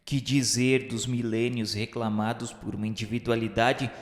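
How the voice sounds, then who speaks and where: A man's voice: mid-range voice, level tone. Male Brazilian narrator for spiritual radio drama: solemn, literary, instructive delivery, mid-range voice, long reverberant tail. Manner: formal, measured, didactic. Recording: echoey hall reverb, music underneath. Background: music.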